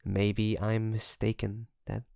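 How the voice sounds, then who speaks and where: Man acting a creaky-voiced possessive yandere best friend. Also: lowish voice, completely flat delivery, dry recording, studio quality. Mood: smug, teasing. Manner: softly menacing, coaxing, teasing, with drawn-out phrases. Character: obsessive, possessive male best friend turned doting kidnapper. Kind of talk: intimate audio roleplay addressed to the listener.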